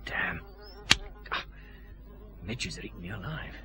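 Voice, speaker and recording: An actor playing a commanding male Glasgow detective chief inspector in a radio drama, giving brisk, clipped orders in a Scottish accent. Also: low voice, lively intonation, heavy background noise. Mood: hushed.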